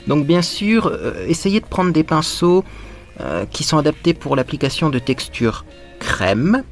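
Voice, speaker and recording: A man's voice: on the high side, sing-song, a little slow, faint music behind. Chatty man giving a makeup tutorial. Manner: chatty and playful, with little sound words; talks to viewers while applying makeup. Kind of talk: casual makeup tutorial chat.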